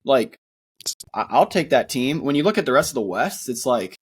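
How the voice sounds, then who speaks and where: A man's voice: mid-range voice, big pitch swings, moderate pace, breathy edge. A man co-hosting a casual sports podcast, talking earnestly with a sore throat and plenty of fillers. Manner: earnest, rambling with many fillers and restarts. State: sore throat, voice sounds worn. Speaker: podcast co-host.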